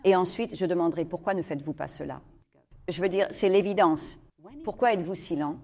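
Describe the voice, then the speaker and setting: A woman voicing the translated answers of an interview guest in an even, read-out manner. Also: on the low side, a little fast. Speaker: dubbed voice-over of the guest. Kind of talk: translated voice-over.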